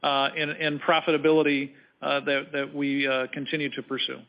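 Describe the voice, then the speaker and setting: A man speaking as a company executive on an earnings call, answering in measured, halting corporate phrasing. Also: on the high side, level tone. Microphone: conference call line. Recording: slightly dull conference call audio.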